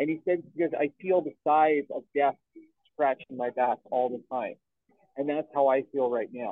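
At a moderate pace, a man with an ordinary speaking voice talks at a fairly high pitch. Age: 50s. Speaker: novelist. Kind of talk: casual interview.

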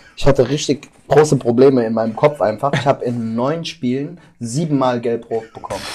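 Here a man with an unremarkable speaking voice talks at medium pitch and a fairly quick pace, with fairly even intonation. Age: 30s. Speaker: street football content creator. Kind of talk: casual chat.

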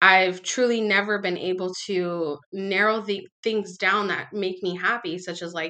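With an American accent, a woman talks at a fairly slow pace in a medium-pitched voice with a bright, sharp tone. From California, Palmdale near Los Angeles. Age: 20s. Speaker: podcast guest. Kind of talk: casual interview chat.

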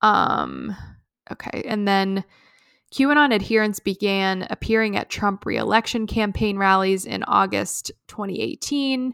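On a very clean recording with a silent background, a woman uses a normal speaking voice at a medium pitch with ordinary pitch variation. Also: fairly slow pace. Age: 20s. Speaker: podcast co-host. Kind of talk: reading aloud; casual chat.

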